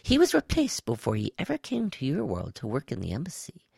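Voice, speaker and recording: Reptilian alien spy, very high pitched, creaky, lilting, nonchalant, storybook creature. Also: male voice, wildly swooping pitch, brisk, a little mellow, no room sound, studio quality, full character voice. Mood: explanatory.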